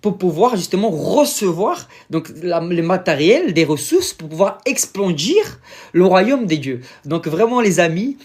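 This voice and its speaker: Brazilian man preaching in French, halting. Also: sits high, sing-song, a little mellow. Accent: Brazilian Portuguese. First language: Portuguese. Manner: hesitant, many fillers, searching for words. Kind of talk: informal sermon to camera.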